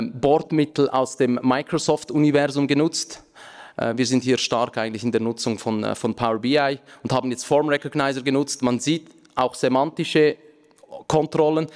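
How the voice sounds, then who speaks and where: Man lecturing in a reverberant hall. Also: mid-range voice. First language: Aramaic. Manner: relaxed, joking asides, frequent filler sounds. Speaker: conference speaker. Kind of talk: conference talk with slides. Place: large conference hall, at a lectern.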